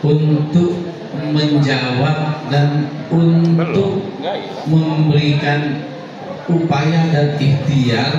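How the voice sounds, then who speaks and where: Echoey man addressing a hall. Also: medium pitch. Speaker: school leader giving an opening address. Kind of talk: formal welcome speech to teachers. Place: large reverberant indoor hall with an audience. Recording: very echoey hall, distant muffled mic, audience noise.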